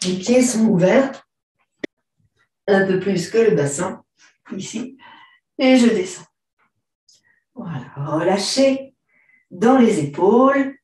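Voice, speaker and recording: Female yoga teacher, unhurried gentle cues, mellow tone, heavy room echo, mic set far away. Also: medium pitch. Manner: slow, calm, gentle cues with frequent throat clearing. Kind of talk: guided stretching class instructions. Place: large room during an online class.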